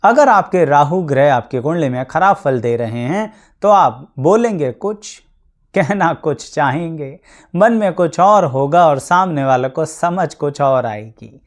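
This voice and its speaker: A man's voice: a little high, lively intonation, measured pace. A man speaking as an astrologer, explaining things to his viewers in a plain, practical way with everyday examples and English words mixed in. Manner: mixes English words into Hindi.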